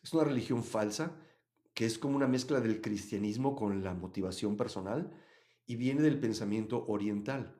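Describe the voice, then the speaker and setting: A man from Mexico, teaching a live Bible study and answering chat comments, swinging between loud emphasis and quiet asides. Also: on the low side, moderate pace.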